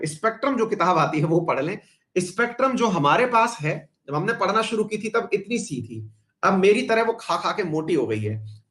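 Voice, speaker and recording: A man's voice: sits high, a bit bright. A man teaching a history class online, chatty, putting questions to his students and drifting into side remarks, with English terms mixed into his talk. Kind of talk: online exam-prep class.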